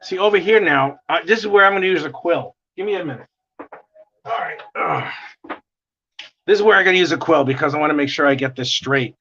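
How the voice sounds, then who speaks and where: Gravelly New York man, bright tone. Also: a little high, brisk, a little hiss or hum. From United States. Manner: chatty, rambling, chuckling often. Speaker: artist livestreaming a drawing session. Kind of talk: casual chat while drawing. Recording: dull lo-fi stream audio.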